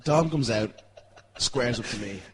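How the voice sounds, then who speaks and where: A man's voice: medium pitch, animated, a little slow, fairly bright tone. A man telling a wrestling story as a podcast guest, casually but dramatically, in short clipped beats.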